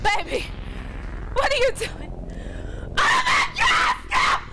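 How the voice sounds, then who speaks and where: A woman acting an excitable, distraught wronged wife in an amateur stage play, exclaiming emphatically. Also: extremely high pitch, slow pace, shouting, exaggerated voice. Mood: shocked, furious. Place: indoor theater stage, picked up from afar. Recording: noisy distant camera audio in theater.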